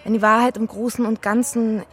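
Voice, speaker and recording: A woman playing a pensive, uneasy babysitter who talks and narrates in a low-key, hesitant, natural way in a radio drama. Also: level tone, fairly quick, natural voice. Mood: musing, doubtful. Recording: music under the voice. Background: music.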